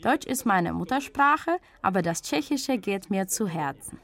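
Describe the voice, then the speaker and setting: A woman narrates a radio documentary, reading a prepared script in an even, measured voice. Her pitch sits at a middle level for a woman.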